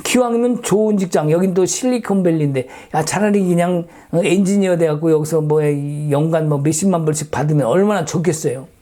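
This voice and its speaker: A man's voice: fairly high pitch, brisk, few pauses, dark tone. A middle-aged man, a pastor, preaching a sermon in a conversational way and asking his listeners rhetorical questions. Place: church in the Silicon Valley area.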